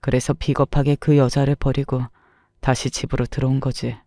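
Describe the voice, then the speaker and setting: A man's voice: medium pitch, little pitch movement, normal speed, dark tone, no room sound, studio quality, pitched below the performer's own voice, natural voice. A woman voicing a remorseful older husband.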